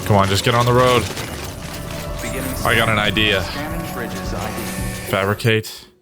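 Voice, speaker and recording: A man's voice: fairly low pitch, fairly even intonation, unhurried. A man giving casual, profane let's-play commentary, exasperated as he plays. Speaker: gamer playing through a video game. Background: game music.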